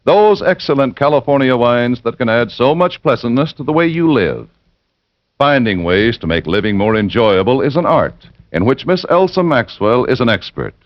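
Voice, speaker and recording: A man announcing a scripted radio advertisement in a smooth, persuasive sales pitch. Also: sing-song, normal speed, no room sound. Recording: dull old radio broadcast.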